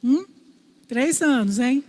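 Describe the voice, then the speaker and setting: A woman from Brazil delivers a sermon in a warm storytelling manner, her voice sitting fairly high. The sound carries a long reverb from a church hall. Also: takes it slowly. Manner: storytelling, animated voices for quoted father. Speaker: preacher.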